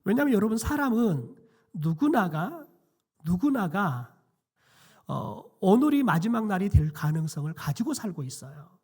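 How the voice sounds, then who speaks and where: Hoarse pastor with a dark voice. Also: male voice, high voice, big pitch swings, a little slow. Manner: quiet, subdued preaching with frequent "eo" fillers. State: hoarse, voice nearly gone. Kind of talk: sermon. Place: church sanctuary.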